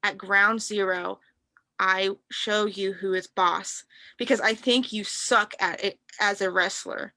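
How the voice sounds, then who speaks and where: Haughty, smug wrestler prince read by a woman, bright forceful voice, close dry sound, halting taunts. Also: mid-range voice, steady tone, no echo. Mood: scornful, boastful. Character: arrogant royal wrestler prince, smug and scornful. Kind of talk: staged reading of wrestling promos.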